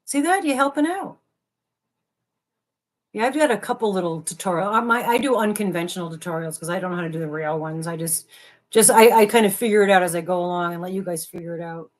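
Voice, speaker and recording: A woman's voice: fairly low pitch, quick pace. A woman co-hosting a casual livestream, talking in a hyper, chatty way and jumping from topic to topic. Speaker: livestream co-host.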